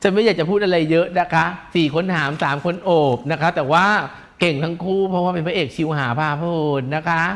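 A man chats through celebrity gossip in a camp, teasing way, often breaking into giggles. His voice sits fairly high for a man, and he uses feminine polite endings. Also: fairly even intonation, brisk, few pauses. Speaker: gossip show host.

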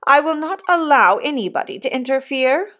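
A woman's voice: fairly high pitch, big pitch swings, slow pace, a bit bright, voice pushed up, exaggerated voice. A woman voicing a haughty, easily affronted upper-class mother in a storybook, speaking in a pompous, imperious manner.

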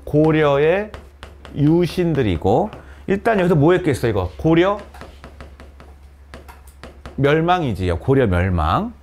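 A man's voice: on the high side, sing-song, slow, pauses often, a little mellow, slight background noise. A man teaching a class of students, often asking them questions and then answering himself. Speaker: Korean literature teacher. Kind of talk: classroom lecture. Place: cram school classroom with students present.

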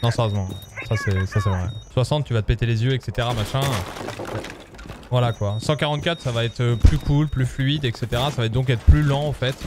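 A man's voice: medium pitch, brisk, over music. A man from France streaming a game, teasing and joking while explaining things in a rambling way. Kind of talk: casual gaming stream chat.

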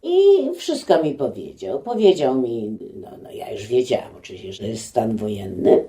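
An older woman giving a spontaneous, conversational oral history recollection, halting at times and livelier when she quotes people. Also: extremely low pitch, big pitch swings, dark tone. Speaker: eyewitness recalling personal memories.

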